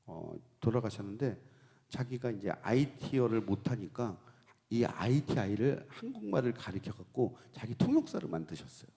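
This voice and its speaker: Man, church testimony, warm dark voice, very lively pitch, long church reverb. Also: moderate pace, gravelly. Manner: storytelling with hushed low passages and sudden rising outbursts. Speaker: church deacon giving testimony.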